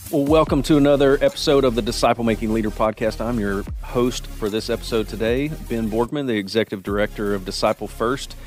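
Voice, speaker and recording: A man's voice: mid-range voice, fast talker, hardly any pauses, darkish tone, soft background music. A man hosting a church podcast in casual chat, rambling with many restarts and fillers. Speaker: podcast host.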